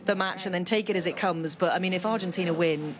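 A woman's voice: on the low side, fast, crowd noise. A woman radio sports presenter doing a live on-location interview in a busy sports bar, upbeat and chatty, laughing often.

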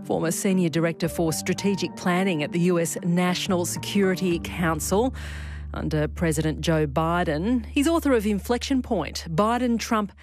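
A woman presenting a radio program, with clear scripted announcer delivery. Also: fairly low pitch, moderate pace, a little mellow, soft background music. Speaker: radio host.

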